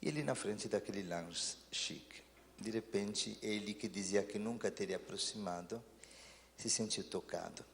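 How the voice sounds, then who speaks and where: Man, priest, gravelly, low-pitched, earnest, reflective, long reverb. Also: normal speed, a bit bright, a little hiss or hum. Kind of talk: pastoral talk show conversation.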